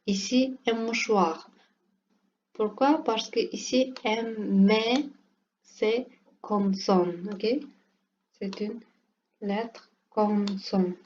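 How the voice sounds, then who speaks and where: Woman teacher, slow patient classroom explanations, warm low tone, muffled lo-fi recording with light hiss. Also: steady tone. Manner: repeats "ok" often, simple halting phrasing. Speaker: French teacher. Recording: dull lo-fi recording with faint room noise.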